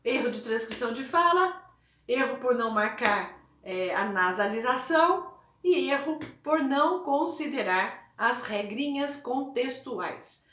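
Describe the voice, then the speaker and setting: A woman's voice: on the high side, animated, unhurried, a bit bright, a little hiss or hum. A woman, an educational psychologist, giving parents an informal, chatty talk and often checking in with the listener. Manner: chatty, punctuates with "né?". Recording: echoey room.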